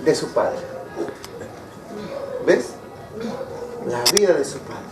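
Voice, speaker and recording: A man's voice: on the high side, sing-song, slow, creaky, soft background music. A man preaching a sermon, asking his listeners rhetorical questions and acting out short quoted lines. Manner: asks the congregation rhetorical questions. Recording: echoey room, mic far off.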